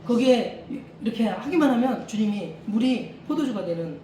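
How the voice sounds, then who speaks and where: A man's voice: high-pitched, animated, moderate pace, warm tone. A man preaching an informal sermon as a missionary, talking conversationally, repeating rhetorical questions, chuckling and restarting his sentences, in a church during a service. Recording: echoey room, far mic, faint noise.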